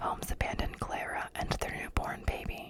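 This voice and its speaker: Amid noticeable background noise, a woman is whispering at a moderate pace. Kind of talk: whispered true-crime book reading. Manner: whispered, soft.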